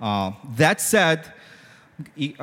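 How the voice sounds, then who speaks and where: A man with a non-native accent speaks with lively intonation. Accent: foreign. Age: 30s. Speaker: small group leader preaching at church. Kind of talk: sermon. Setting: church service.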